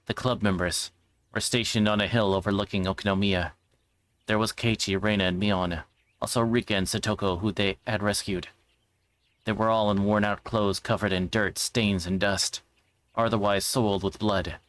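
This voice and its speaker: A man's voice: on the low side, fairly even intonation, normal speed, fairly bright tone. A man reading a visual novel aloud as a livestreamer, now and then stumbling and rereading. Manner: stumbles over words and rereads them.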